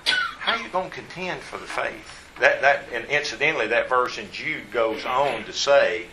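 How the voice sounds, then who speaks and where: A man's voice: medium pitch, wildly swooping pitch, moderate pace, very noisy. A man preaching a Bible study sermon, stressing key words by repeating them and putting questions to his listeners.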